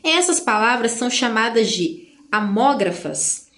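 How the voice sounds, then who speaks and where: A woman's voice: fairly high pitch, sing-song, a bit bright. A Brazilian Portuguese-speaking woman teaching an online grammar lesson in a chatty way, often tagging "né?" and drawing out example words. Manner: chatty, tags phrases with "né?"; drawls out example words slowly.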